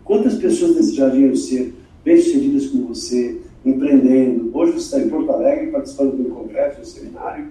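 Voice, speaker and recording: A man hosting a podcast interview as a communication coach, talking in an animated, emphatic way and acting out quoted voices. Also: mid-range voice, a little fast. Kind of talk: conversational interview, teaching with examples. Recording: very echoey room, distant mic.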